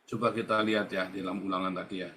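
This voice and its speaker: Exhorting pastor with a tinge. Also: male voice, deep voice, little pitch movement, fast talker, pushed and bright, slight background noise. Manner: exhorting, repetitive, keeps addressing the congregation directly. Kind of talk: sermon.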